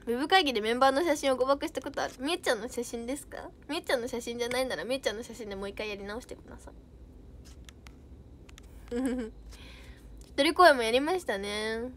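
A woman's voice: fairly high pitch, quick pace, pauses often, fairly bright tone. A young woman idol chatting casually on a livestream, reading out viewer comments with bubbly giggles.

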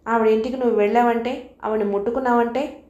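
A woman reading a novel aloud, voicing a sullen, arrogant rich young man in a lower, quieter voice. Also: fairly even intonation, fast, close to an everyday voice. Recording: roomy echo.

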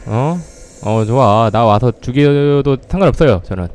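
A man's voice: medium pitch, moderate pace, darkish tone, clear, resonant tone. A man streaming a game live, greeting viewers and trash-talking the opponents he fights.

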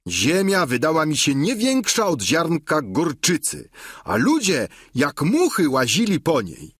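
A man's voice: wildly swooping pitch, unhurried, fairly bright tone, breathy edge, no echo, full character voice. A man voicing a boastful, simple peasant squire who tells his tale in a raised, eager, emphatic voice, in a dry close recording. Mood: eager boasting. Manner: high, eager, emphatic telling.

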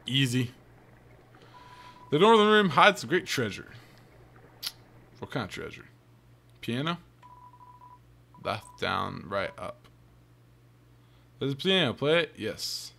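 A man's voice: mid-range voice, big pitch swings, takes it slowly, vocal fry, long pauses, bright, forceful tone. A man giving casual let's-play commentary, reading game text aloud and muttering exasperated asides to himself. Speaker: video game streamer. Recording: game music under the voice. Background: video game music.

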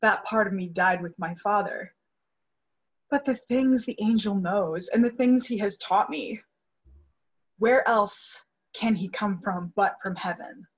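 A woman's voice: medium pitch, a little slow, breathy edge, rough recording. A young woman acting an earnest, grieving young soprano devoted to her father in a dramatic play reading. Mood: fervent. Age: young adult. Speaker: actress in a virtual staged reading. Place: indoor room, video call. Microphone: video call microphone.

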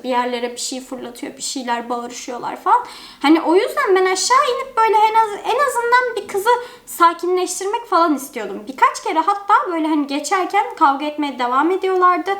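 A young woman tells a personal story in a chatty, expressive way, packed with fillers. Her voice is high and swings widely in pitch. A roomy echo of an indoor room surrounds her. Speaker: storytime vlogger. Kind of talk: casual storytelling.

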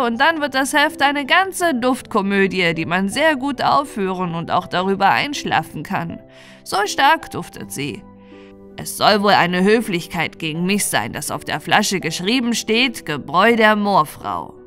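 A woman's voice: mid-range voice, a bit bright. A woman as a chatty, boastful old bog witch. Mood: proud, sly.

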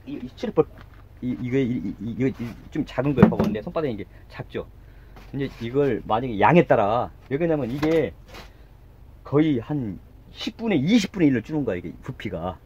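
A man's voice: medium pitch, darkish tone, a little hiss or hum. A middle-aged man demonstrating garden work outdoors in a casual way, talking while he works, repeating short words and muttering asides. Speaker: gardening channel host. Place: outdoors by a house.

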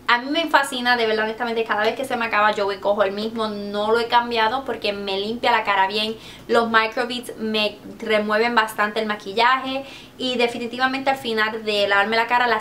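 A woman's voice: a little high, a bit bright, a little hiss or hum. A woman chatting casually and a little self-consciously as a beauty vlogger, mixing English words into her Spanish. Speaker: beauty video host. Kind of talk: casual chatty product review.

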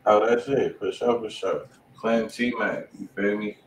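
A man's voice: fairly low pitch, a little slow, roomy sound, far from the mic, slight background noise, rough recording. A man in his thirties hosting a casual livestream from a home studio, talking in laid-back slang and swearing freely. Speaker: host.

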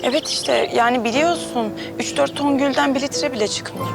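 An actress playing an earnest, excitable young woman, a little sister who loves to draw. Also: high voice, normal speed, gravelly. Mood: chatty. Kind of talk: TV drama acting. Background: music.

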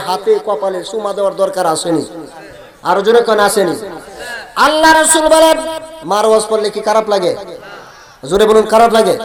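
High chanting Bangladeshi preacher man. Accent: Bangladeshi Bengali. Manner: chanting, calls the crowd to respond. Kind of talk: sung Bengali waz sermon.

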